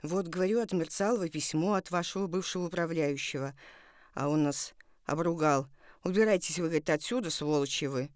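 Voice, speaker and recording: A woman's voice: sits low, fairly quick, dry recording, voice pushed down, lightly acted. A woman voices a poor young boy in a storybook reading. He sounds aggrieved and plaintive, talking colloquially in a close, dry recording. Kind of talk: dramatic literary reading.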